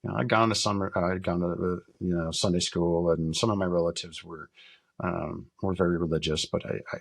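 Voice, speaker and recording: A middle-aged American man from northern Minnesota talking reflectively as an interview guest, candid and halting in his delivery. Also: deep voice, vocal fry, breathy edge. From northern Minnesota, United States. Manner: candid, halting, casually profane. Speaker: podcast guest, military veteran and survival instructor.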